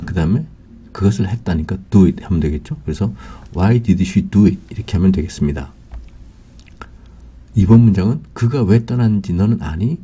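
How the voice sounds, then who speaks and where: A man's voice: deep voice, mellow, breathy edge. A man teaching English grammar, explaining example sentences step by step with frequent "ah" fillers.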